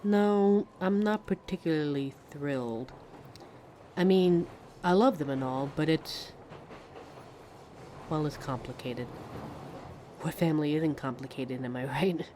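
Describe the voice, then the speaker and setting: A woman's voice: deep voice, unhurried, pauses often, dark tone. A woman playing a friendly, lonely train passenger in a hesitant, reflective ASMR roleplay monologue, chatting to a stranger. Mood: wry, fond. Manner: hesitant, musing, reflective, trailing off. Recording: vehicle noise behind voice. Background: train ambience sound effects.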